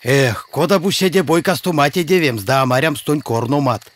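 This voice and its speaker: An actor playing a brave, stubborn folk-hero hunter in a cartoon, bold and expressive. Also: male voice, a little high, a little fast, soft background music, lightly acted. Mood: determined. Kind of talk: cartoon character acting.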